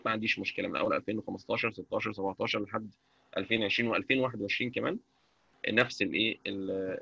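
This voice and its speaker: A man with an Egyptian Arabic accent teaching a live online software lecture, chatty and constantly checking that his students follow. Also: medium pitch, creaky, husky, no room sound. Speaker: software instructor. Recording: dull lo-fi mic.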